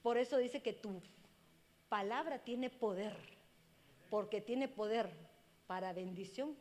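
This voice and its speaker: Brief: high-pitched woman pastor, fervent sermon, lingering church-hall reverb. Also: slow pace. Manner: impassioned, swings from loud cries to hushed speech.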